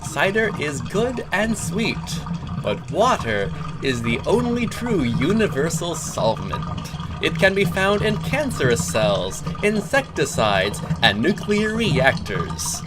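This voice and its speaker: A man's voice: a little high, very animated, loud music behind the voice, poor audio. A man reading comic fiction aloud as narrator, theatrical and mock-grave in his delivery. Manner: mock-grave, dramatic, deliberate.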